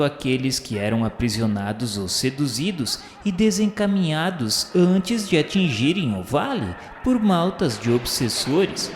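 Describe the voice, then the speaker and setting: A man narrating a radio drama in a solemn, dramatic way. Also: medium pitch. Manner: solemn, dramatic, rising in emphasis. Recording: reverberant hall sound with faint music.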